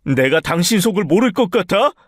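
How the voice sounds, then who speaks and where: A man's voice: high voice, big pitch swings, brisk, no echo, clean studio sound. A man voicing an irritable, sick middle-aged husband who harshly scolds his wife in a radio story drama. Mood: bitter. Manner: harsh, nagging, rising to shouts.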